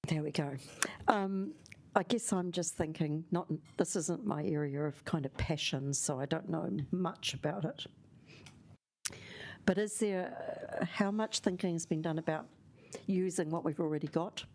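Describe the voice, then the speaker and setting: A woman's voice: fairly low pitch, measured pace, darkish tone. A woman councillor asking a question tentatively, thinking aloud as she goes. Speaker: city councillor.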